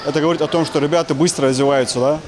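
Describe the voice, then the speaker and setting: A man, a TV reporter asking a coach brisk, leading questions in a news interview. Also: a little high, steady tone, noisy background.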